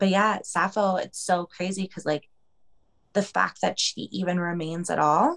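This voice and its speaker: A woman with an American accent speaks at a fairly low pitch with vocal fry and ordinary pitch variation. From US, Pennsylvania and Colorado. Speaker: tarot and mythology practitioner. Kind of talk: casual interview.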